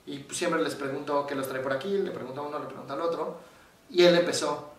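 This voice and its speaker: A man's voice: fairly high pitch, fast, far from the mic. A man with a Mexican accent, a psychologist, explaining in casual talk and acting out the voices in his stories. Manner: animated storyteller, acts out quoted voices. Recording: very echoey room, voice from off the mic.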